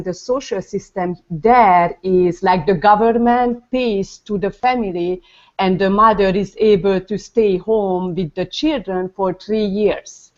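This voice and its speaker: Hungarian-accented woman on a video call, unhurried and earnest, dull lo-fi sound. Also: mid-range voice. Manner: earnest, halting, searches for words. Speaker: panel guest, mother of a toddler. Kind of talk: casual online group chat.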